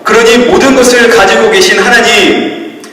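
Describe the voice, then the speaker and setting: A middle-aged male pastor delivers a sermon in a high voice, telling a personal story in a frank, confessional way. He sounds distant from the mic. A long reverb fills the church hall. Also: fairly even intonation, normal speed, bright, forceful tone. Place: church sanctuary.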